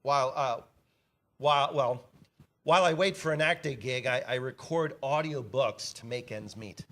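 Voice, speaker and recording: A man's voice: mid-range voice, moderate pace, a bit bright, natural voice. A man playing a goofy, dim, eager sidekick in a staged comedy reading, earnest and given to stammering and bellowing. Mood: sheepish, earnest. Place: live staged reading in a church.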